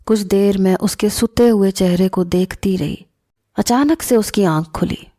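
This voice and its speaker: A woman narrating a first-person story in a calm, measured storytelling manner. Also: mid-range voice, dry recording, clean studio sound. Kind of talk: scripted narration.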